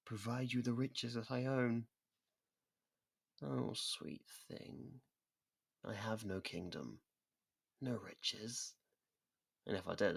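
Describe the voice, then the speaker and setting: A performer voicing a sadistic, centuries-old vampire in an ASMR roleplay, theatrical and mocking, slipping into slow whispers. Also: medium pitch, vocal fry, breathy edge, heavily acted.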